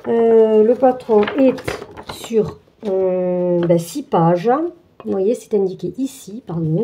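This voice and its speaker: Lady unboxing a craft kit, very dark mellow voice, lots of euh and restarts. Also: medium pitch, a little hiss or hum. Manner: chatty, hesitant, many fillers and restarts. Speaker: craft channel host. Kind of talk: casual unboxing walkthrough.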